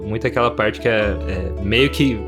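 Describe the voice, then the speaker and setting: A man with a Brazilian accent co-hosting a podcast, chatting casually about books in a halting way with repeated words. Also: fairly low pitch, over music. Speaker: podcast co-host. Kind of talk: casual book chat.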